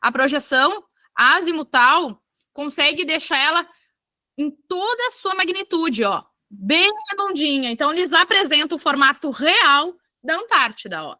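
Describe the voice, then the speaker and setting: A woman from Brazil teaching an exam-prep geography class, lively and checking in with her students often. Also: high voice, normal speed, dry recording.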